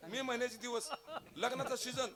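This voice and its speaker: A man's voice: very high voice, flat delivery, fairly quick. A man with a Marathi accent giving a devotional kirtan sermon, telling a funny story and acting out its dialogue. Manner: humorous storytelling, acts out dialogue, bursts into chanting. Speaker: kirtan preacher.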